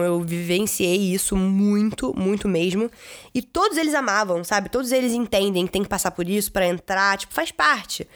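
Chatty young Brazilian woman vlogging. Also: mid-range voice. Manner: chatty, swears casually, many fillers. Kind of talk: casual storytelling.

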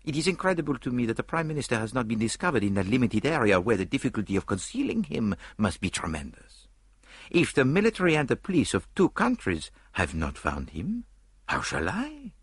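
A man voicing a fussy little Belgian detective with a put-on French accent, speaking in a high, theatrical way. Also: big pitch swings, brisk, breathy edge, no echo. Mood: doubtful.

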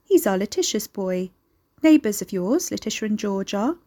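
A woman's voice: medium pitch, expressive, moderate pace, warm tone, lightly acted. Woman putting on a nosy, rambling old grandmother. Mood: proud, chatty. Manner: folksy dialect, rambling, nosy. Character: elderly gossipy grandmother, maternal, pushy, grumbling about family.

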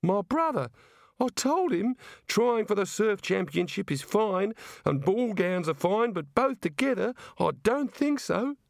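A man reading an audiobook who voices a polite, ordinary young woman, high-pitched, earnest and tearful. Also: sing-song, unhurried, creaky, no echo, clean studio sound, heavily acted. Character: plain polite young woman, weepy and apologetic.

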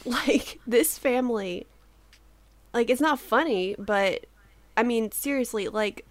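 Still a bit sleepy, this podcast co-host in her thirties speaks slowly in a fairly high voice during a casual chat with her co-hosts. Her stories come with frequent laughter and casual swearing, and there is no room sound.

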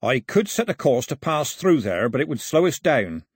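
A plain-spoken sea captain from a seafaring tale, acted by a male narrator. He is wary and dryly respectful, with blunt sailor's talk. The voice is husky, lifted in pitch and recorded very dry. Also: big pitch swings, moderate pace, no room sound. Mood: grave, practical. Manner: blunt, folksy, nautical talk.

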